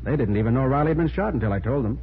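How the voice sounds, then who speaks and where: A man playing a confident, brisk private detective in a 1940s radio drama, on a muffled old recording. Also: mid-range voice, lively intonation, a little hiss or hum, lightly acted. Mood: relaxed explaining.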